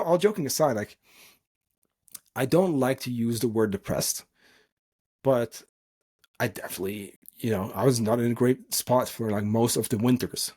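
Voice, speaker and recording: This man, a native Dutch speaker from the Netherlands, has a medium-pitched, darkish voice. In a motivational solo style, he speaks off the cuff like a podcasting coach, informal and earnest, leaning on his points with emphasis.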